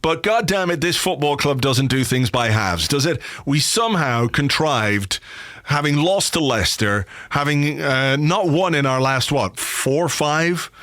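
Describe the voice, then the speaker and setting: A man hosting a football podcast with a cold that leaves him a bit croaky, chatting with a dry, sweary, self-mocking humour. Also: fairly high pitch, animated, unhurried, fairly bright tone, no room sound. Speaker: podcast host. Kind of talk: casual football podcast chat. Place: home office. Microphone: studio microphone.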